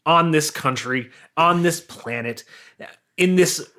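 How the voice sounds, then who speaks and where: A man's voice: a little high, slow, bright, forceful tone. A man in casual podcast chat, talking in an emphatic, rambling way and mocking himself. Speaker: podcast speaker.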